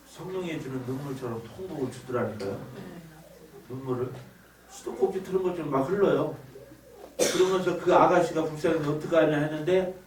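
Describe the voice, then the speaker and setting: A man telling his life story as a spoken church testimony, acting out what he said and felt back then. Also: fairly high pitch. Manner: animated storytelling, acts out his own past outbursts. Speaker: evangelist giving testimony. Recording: echoey room, distant mic, noisy.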